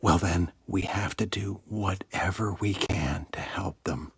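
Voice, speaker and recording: An actor playing an earnest, anxious captive prison warden in a video game, speaking with urgency. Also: male voice, low voice, unhurried, creaky, breathy edge, dry recording, exaggerated voice. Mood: hushed conspiring. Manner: hushed, urgent. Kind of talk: video game cutscene acting.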